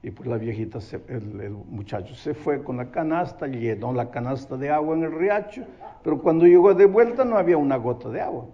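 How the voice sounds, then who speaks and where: A male pastor preaching a sermon, animated, asking rhetorical questions and telling stories. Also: mid-range voice, fairly quick, dull audio.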